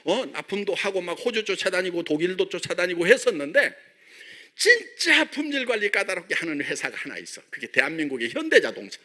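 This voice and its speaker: A man's voice: sits high, big pitch swings, a little fast, bright, forceful tone. A middle-aged man from Jeolla, a company chairman giving a joking motivational stage speech full of rhetorical questions to his members. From Jeolla, South Korea.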